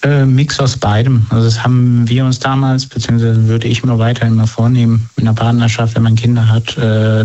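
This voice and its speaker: A man answering interview questions in a halting, matter-of-fact way, with frequent fillers. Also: mid-range voice, a little mellow. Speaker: guest. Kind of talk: casual conversational interview. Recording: dull lo-fi sound.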